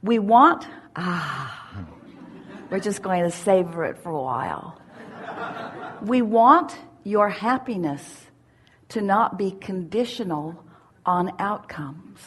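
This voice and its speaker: A woman giving a spiritual teaching at a seminar, speaking as "we" in an emphatic, drawn-out way. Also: medium pitch, lively intonation, a little hiss or hum. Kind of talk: channeled teaching in first person plural.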